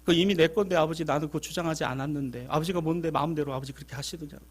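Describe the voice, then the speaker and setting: A male pastor preaching a sermon in a church sanctuary, asking the congregation questions and swinging between soft and loud passages. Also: on the high side, racing.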